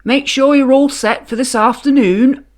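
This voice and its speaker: A woman voicing a brisk, caring male site foreman in a children's storybook, giving orders with concern. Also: high voice, fairly even intonation, voice pushed up. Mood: businesslike.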